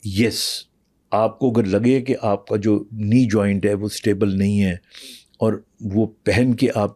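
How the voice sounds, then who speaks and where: Man explaining calmly, warm dark voice. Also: fairly low pitch, no echo, clean studio sound. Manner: patient, explaining, with fillers and pauses. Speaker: internal medicine doctor, podcast guest. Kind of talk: explanatory interview talk, mixing in English.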